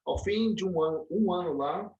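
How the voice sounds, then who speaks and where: A middle-aged Brazilian man who works as a dentist and program director tells lively stories in a casual interview, frequently restarting and adding "né?" tag questions. His voice is high and his speed normal, though the audio sounds dull.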